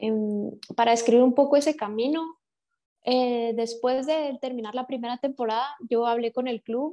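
A woman with a Guatemalan accent speaks at a moderate pace in a fairly high pitch, keeping her intonation fairly even. Her tone is dark and mellow, and the sound is dry and close with no echo. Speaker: professional footballer. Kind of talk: interview. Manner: halting, many repetitions.

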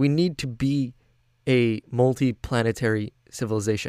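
The sound is dry and close with no echo as a man speaks in an animated tone at a fairly slow pace. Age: 20s. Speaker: podcast host, undergraduate. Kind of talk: interview.

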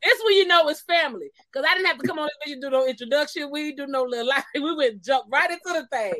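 In a raised, projected voice, a woman speaks at a very fast pace with hardly any pauses, using a high pitch, a bright, sharp and animated tone, and lively intonation. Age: 40s. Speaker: podcast host. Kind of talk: casual chat. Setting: video call.

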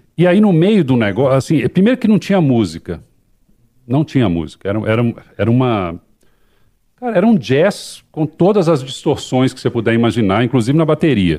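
A man speaks at medium pitch with a dark, mellow tone. His pitch swings very widely at a moderate pace. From Brazil, countryside (interior). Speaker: heavy metal guitarist. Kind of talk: casual chat.

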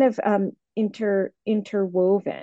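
This is a woman's voice against a quiet background. The sound is dry and close, with no echo. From US, Boston. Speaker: historian and author. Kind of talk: interview.

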